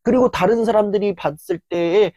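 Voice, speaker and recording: After a long filming session, this earnest motivational lecturer sounds tired, talking steadily and a little fast at a medium pitch. Inner voices are acted out in abrupt loud bursts, and the recording is dry and close.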